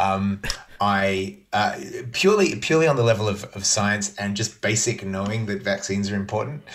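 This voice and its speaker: Fairly low pitch and fairly even intonation from a man. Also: moderate pace. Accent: Australian. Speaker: TV comedy writer. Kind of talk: casual chat. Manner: halting.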